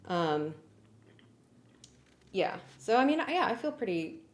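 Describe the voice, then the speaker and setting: A woman hosting a casual livestream, explaining work progress in an informal, halting way as she thinks aloud. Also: medium pitch, very animated. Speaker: livestream host and music arranger. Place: warm indoor room. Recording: roomy echo, clear background noise.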